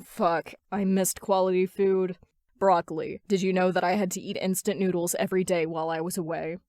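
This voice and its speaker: A woman voicing a gruff, irritable young man in a story reading, grumbling and sardonic. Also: lowish voice, level tone, a little fast, a little mellow, no echo, clean studio sound, lightly acted.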